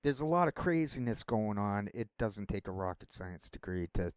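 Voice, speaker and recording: A man's voice: lowish voice, animated, normal speed, clear, resonant tone, no room sound. A man rambling through a casual solo monologue as a vlogger, wandering from thought to thought. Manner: rambling, meandering talk.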